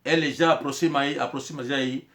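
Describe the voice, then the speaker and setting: A man's voice: medium pitch, fairly even intonation, a little fast, fairly bright tone. A man tells a personal story in a casual monologue, rambling and repeating himself as he acts out quoted dialogue. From Angola. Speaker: commentator telling a personal story.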